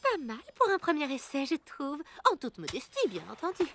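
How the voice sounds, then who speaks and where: A woman's voice: high voice, huge pitch swings, moderate pace, fairly bright tone, exaggerated voice. A woman voicing a polite, doubtful little girl in a French children's cartoon dub, tactful and hesitant. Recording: music behind the voice. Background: cartoon music.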